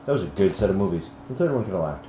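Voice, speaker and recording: A man's voice: low-pitched, big pitch swings, very fast, warm tone. A man making casual wisecracks during a tabletop game with a group. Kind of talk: casual joking side commentary at a game table. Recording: noisy, roomy, muffled livestream audio.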